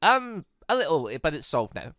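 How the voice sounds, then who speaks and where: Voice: medium pitch, very animated, normal speed, fairly bright tone, dry recording, clean studio sound. A performer voicing a prim, proud young heiress in a visual novel, formal, earnest and defensive. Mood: sheepish.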